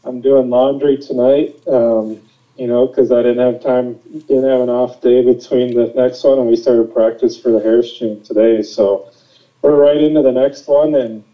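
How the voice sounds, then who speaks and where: A man's voice: medium pitch, fairly even intonation, normal speed. A young man from Minnesota, a professional angler, answering interview questions in an easygoing, agreeable way with lots of fillers. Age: young adult. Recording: dull lo-fi sound.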